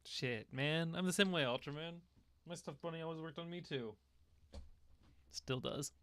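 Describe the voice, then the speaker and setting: A man's voice: on the high side, moderate pace, a bit bright, clear, resonant tone. A man streaming a casual watch-along, joking, laughing often and getting emotional over the film. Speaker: streamer hosting a watch party.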